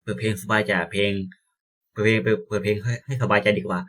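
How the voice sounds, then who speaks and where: A young man commentating as he plays a visual novel, excitable and swearing, sometimes stumbling over words. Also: fairly low pitch, fast, soft background music. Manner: excitable, yelps and swears at scares; reads game lines aloud, stammering. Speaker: gameplay streamer. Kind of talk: casual let's-play commentary.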